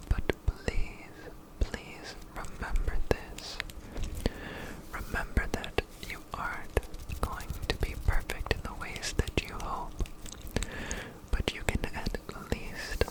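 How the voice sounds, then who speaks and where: A man whispering a gentle, earnest ASMR pep talk, offering encouraging affirmations as a creator speaking to viewers. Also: takes it slowly, low-quality recording.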